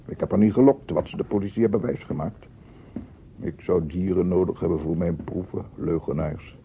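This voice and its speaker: An actor playing a paranoid, embittered amateur sound researcher in a theatrical radio drama monologue, muttering and proclaiming. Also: male voice, sits low, normal speed. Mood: paranoid, agitated. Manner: theatrical, muttering to himself, repeating words, swelling into proclamations. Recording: muffled narrow-band old radio recording, noisy.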